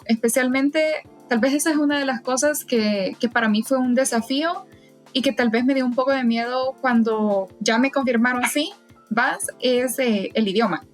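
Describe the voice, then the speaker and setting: A woman guest in a casual interview, talking in a hesitant way with frequent fillers and restarts. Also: a little high. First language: Spanish. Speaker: podcast guest, event volunteer.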